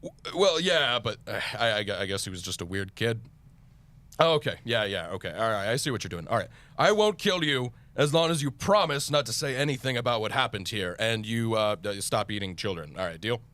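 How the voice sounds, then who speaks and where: A man's voice: fairly low pitch, expressive, fairly quick, fairly bright tone, pitched below the performer's own voice. A man playing a theatrical but bumbling, awkward monster hunter in a comic radio play. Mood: sheepish, casual. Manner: bombastic entrance, sheepish casual talk. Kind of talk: comedic audio drama acting.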